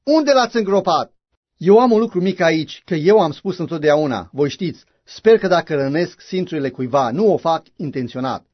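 A man's voice: a little high, expressive, hardly any pauses, dry recording. A man preaching a sermon in a fervent, emphatic way, with frequent exclamations. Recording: dull lo-fi recording.

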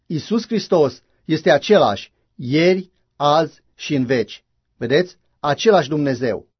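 A man's voice: on the high side, lively intonation, slightly rough, no echo. A man preaching a sermon in a fervent, emphatic way, with frequent exclamations. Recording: dull lo-fi recording.

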